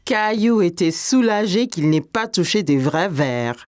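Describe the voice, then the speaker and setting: A woman playing the gentle narrator of a preschool cartoon, telling the story in a clear, explanatory way. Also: fairly low pitch, lively intonation, a little slow, dry recording, studio quality. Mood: gentle storytelling. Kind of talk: scripted children's story narration. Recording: music behind the narration.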